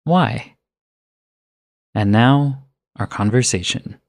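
A man's voice: medium pitch, takes it slowly, vocal fry, no echo. A man hosting a podcast, reading an upbeat intro and then interviewing a guest, laughing easily. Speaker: podcast host.

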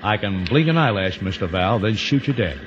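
An actor playing a cocky criminal with a gun in a 1950s radio drama, taunting and sardonic in manner. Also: male voice, fairly low pitch, animated, moderate pace, close to an everyday voice. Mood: menacing, mocking. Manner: taunting, sardonic, tough-talking. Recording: muffled, noisy old radio recording.

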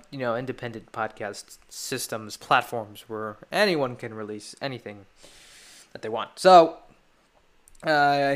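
A teenage boy talks through a solo podcast in a rambling, eager fan's way. His voice is bright and ringing, with a smooth, clean tone. The delivery is loose and chatty. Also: mid-range voice. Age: teens. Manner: rambling, enthusiastic fan chat. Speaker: podcast host. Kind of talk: casual solo podcast talk.

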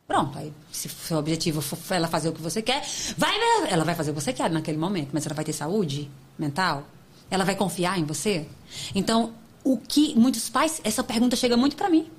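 A woman psychologist, a podcast guest, explaining in an emphatic, animated way with sudden high exclamations. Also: brisk, a little hiss or hum. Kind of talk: podcast interview talk.

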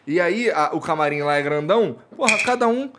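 A man's voice: on the high side, lively intonation, fairly quick, background noise. A man hosting a podcast, chatty and slangy, stumbling a little over his words. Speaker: podcast host. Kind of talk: casual podcast chat.

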